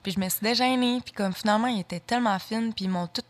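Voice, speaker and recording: A woman's voice: medium pitch, quick pace. A young woman from Saguenay with a Québécois accent, chatting as an interview guest, with many fillers. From Saguenay, Quebec. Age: young adult. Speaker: guest, fashion model. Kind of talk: casual interview chat.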